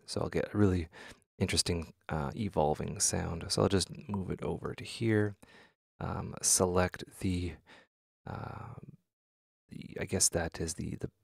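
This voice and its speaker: A man hosting a software tutorial in casual talk, halting and thinking aloud as he demonstrates. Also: low-pitched, steady tone, gravelly, slightly rough, no echo, clean studio sound. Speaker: tutorial host.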